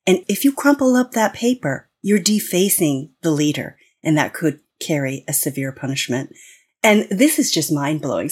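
A woman's voice: low-pitched, darkish tone, husky. An American woman speaking as a guest on an interview podcast, explaining in an earnest way with frequent restarts. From United States. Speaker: guest expert.

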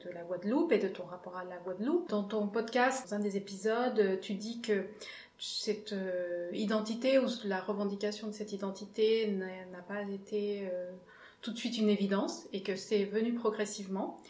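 A woman asks an interview question in a measured way, pausing to search for her words. Her voice has a middle pitch, and the recording carries a roomy echo around it. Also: darkish tone.

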